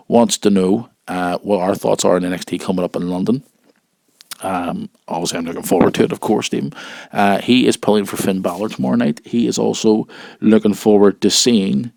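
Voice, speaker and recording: A man with a husky voice from a cold, hosting a casual wrestling news show and chatting informally and directly to listeners. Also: lowish voice, normal speed, a little mellow, dry recording. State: has a cold.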